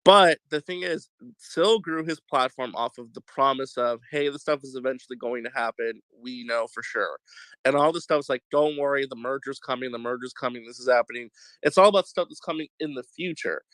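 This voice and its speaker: A man's voice: medium pitch, fairly quick, fairly bright tone, dry recording, low-quality recording. A man with a congested voice from a sore throat, hosting a casual online debate and laying out his points step by step.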